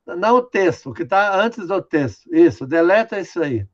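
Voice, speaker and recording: A man's voice: sits high, expressive, moderate pace. An older man from Brazil, a linguistics professor giving an online lecture, patiently explaining a student's writing and tagging sentences with "né?". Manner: patient, explanatory, many "né?" tags, directs the screen operator. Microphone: video call. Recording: dull lo-fi video call audio.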